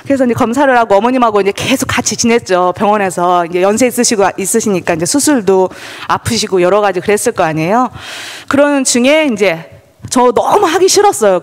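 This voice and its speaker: Animated woman testifying in a reverberant church. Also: mid-range voice, a little fast. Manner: animated storytelling, acting out quoted voices. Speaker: church member giving testimony. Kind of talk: personal testimony at a church service. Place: church sanctuary.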